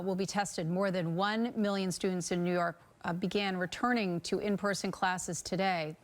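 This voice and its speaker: A female anchor on a morning news program, her voice at an ordinary pitch. She reads each story in a measured, formal newsroom style. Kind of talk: news reading.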